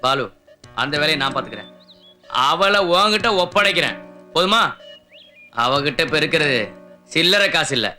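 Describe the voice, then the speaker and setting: A menacing henchman in a dubbed film, his voice high and sharply bright. He snarls and schemes, with a faint film score under him. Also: expressive, normal speed, long pauses, faint music behind. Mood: scheming. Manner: threatening, snarling. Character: menacing male thug, villain's henchman.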